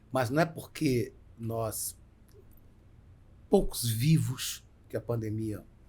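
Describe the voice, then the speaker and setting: A man's dark, mellow, somewhat breathy voice at a medium pitch, very slow in pace, with ordinary pitch variation and long, frequent pauses. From Brazil, Minas Gerais (Belo Horizonte). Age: 60s. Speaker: actor. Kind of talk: interview conversation.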